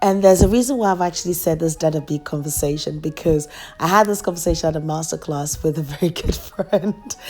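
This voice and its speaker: A very fast, animated delivery with ordinary pitch variation and music in the background. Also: woman. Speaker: cooking show host. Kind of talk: cooking tutorial. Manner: chatty, animated.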